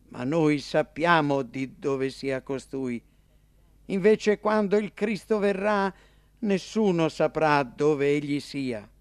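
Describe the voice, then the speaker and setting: A man's voice: a little high, a little mellow, dry recording, voice pushed up. A man voicing a group of doubtful townsmen who wonder aloud. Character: puzzled townsmen, questioning and doubtful.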